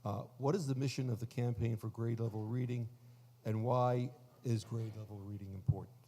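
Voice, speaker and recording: A man moderating a conference panel, introducing the guests formally in a measured way with frequent fillers. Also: mid-range voice, fairly even intonation, dark tone, slight background noise.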